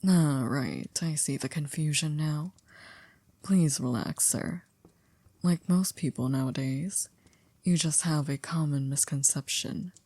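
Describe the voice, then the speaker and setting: Casting: woman as unflappable formal servant of a vampire house, very low mellow voice, dry ASMR delivery. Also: no room sound. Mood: polite, soothing. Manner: polite, measured, gently wry. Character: composed, formal, dryly teasing female household servant. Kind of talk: ASMR roleplay acting.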